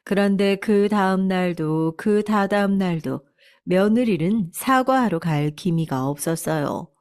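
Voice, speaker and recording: A woman's voice: mid-range voice, darkish tone. Older woman narrating a family story. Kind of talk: scripted narration of a real-life story.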